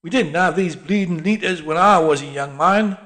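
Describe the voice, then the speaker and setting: A man's voice: high-pitched, moderate pace, fairly bright tone, voice pushed up. A man voicing a grumbling, pugnacious old working-class Londoner in an audiobook. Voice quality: gruff, pugnacious. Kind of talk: audiobook character voice.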